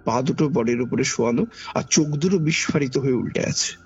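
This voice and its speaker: A man with a Kolkata Bengali accent and a husky, gravelly voice recounts an eerie personal experience in a conversational, dramatic way, repeating phrases for emphasis. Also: medium pitch, brisk, a little mellow. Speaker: podcast guest recounting a personal ghost experience. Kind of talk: conversational ghost-story telling. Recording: dull lo-fi audio under background music. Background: background music.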